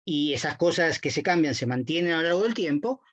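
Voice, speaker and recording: A man's voice: a little high, lively intonation, a little fast, dry recording. A man giving a university semiotics lecture, explaining patiently and often checking in with his students. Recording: dull dry lo-fi recording.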